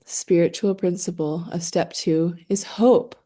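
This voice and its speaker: A woman leading a guided meditation, speaking gently and soothingly in short phrases with long, unhurried pauses. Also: on the low side, fairly even intonation.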